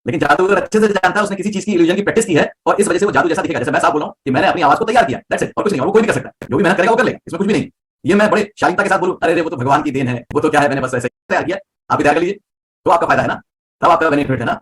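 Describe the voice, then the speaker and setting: Fast-talking male voice coach. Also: sits high, animated, a bit bright. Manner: explains with everyday examples and checks understanding. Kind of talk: live online class.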